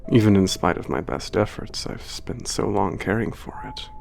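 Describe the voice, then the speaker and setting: A man plays a gentle, melancholy giant who speaks in a low, gravelly voice. His words are formal and reflective, and he often drops to a whisper. Soft music plays faintly behind him. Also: normal speed. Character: gentle, melancholy giant protector, older-sounding. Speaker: narrator of letters home. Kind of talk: ASMR audio drama narration.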